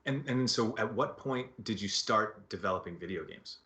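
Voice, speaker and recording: A man's voice: on the low side, moderate pace, pushed and bright. A man hosting a livestream show in a casual, conversational style. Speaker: show host.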